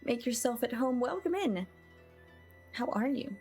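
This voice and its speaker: A woman's voice: fairly high pitch, animated, measured pace, darkish tone. A woman live-streaming a game in a playful, chatty way, welcoming her viewers as she plays. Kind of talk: casual chat while playing. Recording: game music behind the voice. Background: game music.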